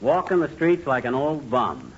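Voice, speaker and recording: A man as a boastful forgetful husband, blustery, lively swooping voice, muffled old radio with loud hiss. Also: medium pitch, normal speed, natural voice. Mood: bluster. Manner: blustery, chuckling. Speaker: comic lead. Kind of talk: 1940s radio comedy acting.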